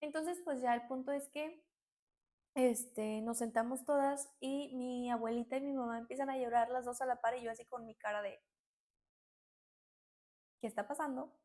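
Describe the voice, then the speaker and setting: A woman narrating a personal story in an animated way, acting out quotes. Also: fairly high pitch, moderate pace. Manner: animated, acts out quotes, many fillers.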